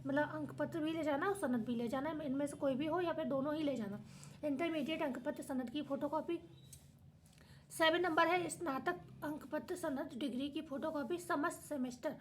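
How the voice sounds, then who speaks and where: Hoarse, tired high-voiced woman teacher. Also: slight background noise. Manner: reads notice then explains in plain words. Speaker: education channel host. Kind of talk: explaining official notice to viewers.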